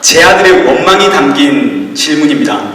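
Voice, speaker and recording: A man's voice: a little high, big pitch swings, moderate pace, fairly bright tone. A middle-aged man preaching a sermon as a pastor, telling a personal story in a confessional way. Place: church sanctuary. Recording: echoey hall, distant mic.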